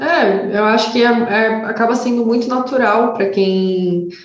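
With a Santa Catarina accent, a woman speaks at fairly high pitch and a fairly slow pace, her pitch varying in an ordinary way amid audible room echo. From Santa Catarina, Brusque. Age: 20s. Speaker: realist pencil portrait artist. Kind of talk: casual interview.

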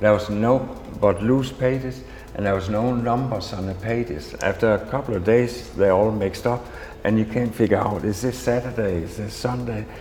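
A man with a Danish accent, fairly low pitch, fairly even intonation and a moderate pace, over noticeable background noise. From Denmark. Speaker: photographer. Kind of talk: interview. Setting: festival.

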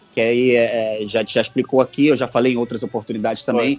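Music plays in the background as a man speaks at a fairly quick pace with fairly even intonation. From Rio de Janeiro, Brazil. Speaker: fandub producer and singer. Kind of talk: casual chat.

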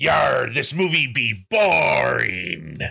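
A man speaks in a put-on character voice.

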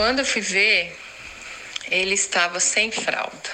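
Noticeable background noise runs beneath a woman's voice. She speaks at a fairly slow pace and a medium pitch. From Londrina, Paraná, Brazil. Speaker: listener, mother. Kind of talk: voice message.

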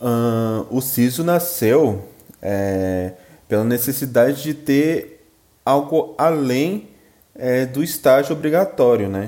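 Very slowly, a man with a medium-pitched, dark, mellow voice talks with lively intonation. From Planaltina, Federal District, Brazil. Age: 20s. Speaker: university student. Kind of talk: interview. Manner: halting.

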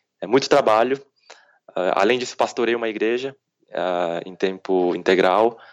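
At a moderate pace, a man talks in a fairly low voice, a normal speaking voice. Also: ordinary pitch variation, big swings in loudness. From Brazil (Korean-born, arrived age 4). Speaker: missiology professor and pastor. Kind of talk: interview, lecture-style explanation.

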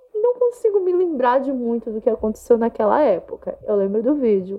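With music in the background, a woman with a high voice speaks with lively intonation. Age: 30s. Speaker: podcast host. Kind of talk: casual chat with narration.

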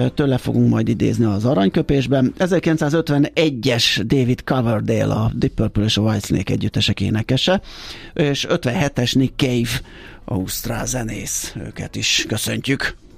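Speaking at a very slow pace, a man with a medium-pitched voice uses lively intonation. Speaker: radio host. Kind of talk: morning radio show, interviewing. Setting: radio studio.

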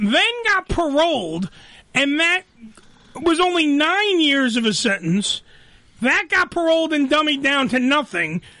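A man's raised, projected voice at an extremely high pitch, fairly slow, with very wide pitch swings and very even loudness. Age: 40s. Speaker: radio show host. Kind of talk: casual chat; reading news stories aloud. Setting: studio. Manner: animated.

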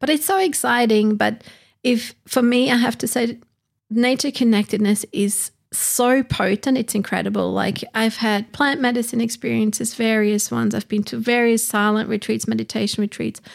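A woman with an unremarkable speaking voice talks at a moderate pace and fairly high pitch with fairly even intonation, on a very clean recording with a silent background. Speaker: eco-psychotherapist. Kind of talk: casual chat.

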